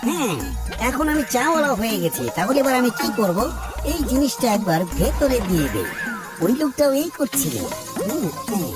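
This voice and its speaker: A woman's voice: a little high, very animated, normal speed. A woman voicing a sly muttering alien. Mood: scheming. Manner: muttering "hmm" while scheming. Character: scheming male alien researcher, sly. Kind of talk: cartoon dub acting. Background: music.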